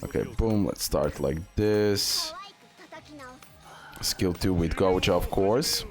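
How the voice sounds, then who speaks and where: Low-voiced man commentating gameplay. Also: takes it slowly. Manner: repeats words and phrases. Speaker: gaming video creator.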